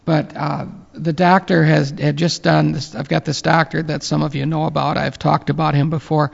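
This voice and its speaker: A man in his late fifties, a pastor, giving earnest closing thanks and a reverent prayer with many halting fillers. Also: on the high side, flat delivery, vocal fry. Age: 50s. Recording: muffled with long reverb.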